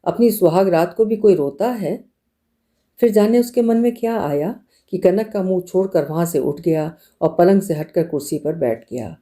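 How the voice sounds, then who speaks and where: A woman narrating a literary audiobook in a measured, expressive storytelling manner. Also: on the low side.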